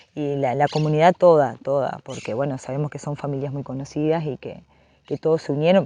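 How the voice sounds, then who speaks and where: The speaker keeps a fairly quick pace over a quiet background. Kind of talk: interview testimony. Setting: outdoors at a football ground.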